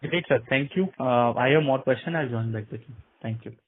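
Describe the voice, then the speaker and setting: A man asking business questions as an analyst on a phone call, polite and halting in his delivery. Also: medium pitch, a little hiss or hum. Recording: tinny narrowband phone line.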